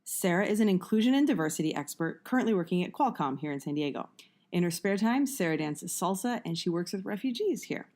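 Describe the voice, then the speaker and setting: A woman hosts a casual interview show with a strained, husky voice, hoarse from allergies. Her pitch sits low and she laughs easily at her own struggle to speak. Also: lively intonation, a little fast, a little mellow. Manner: laughs often, self-deprecating. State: hoarse, nearly lost voice from allergies. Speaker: podcast host.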